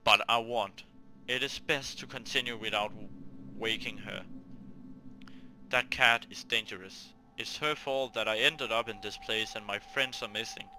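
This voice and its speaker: Bright, forceful man reading a visual novel. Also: fairly low pitch, measured pace, a little hiss or hum, poor audio. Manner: theatrical, self-talking, stumbles over read words. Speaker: gaming video host. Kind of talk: let's play, reading a visual novel aloud with reactions.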